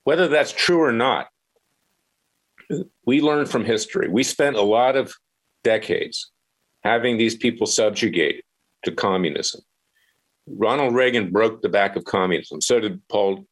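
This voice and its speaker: Very deep-voiced combative talk show host. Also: male voice, rough recording. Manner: forceful, interrupting, blunt.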